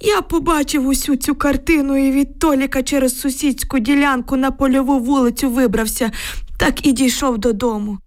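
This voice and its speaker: A woman's voice: high-pitched, steady tone, normal speed, pitched above the performer's own voice, close to an everyday voice. Woman voicing a frightened old village man. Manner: lamenting, breathless and emotional.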